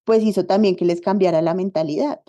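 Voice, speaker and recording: A woman, a guest on a podcast, telling personal stories in a lively way and acting out past conversations. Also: fairly low pitch, fairly quick, highs cut off. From Colombia. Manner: animated storytelling, acts out quoted dialogue. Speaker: podcast guest, body diversity activist. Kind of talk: casual conversational interview.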